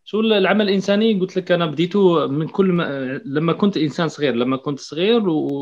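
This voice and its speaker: At a moderate pace and with hardly any pauses, a man talks in a high pitch with ordinary pitch variation. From Algeria, Tiaret province (Tekhmaret). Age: young. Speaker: medical doctor and researcher. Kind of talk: casual interview in Algerian Arabic.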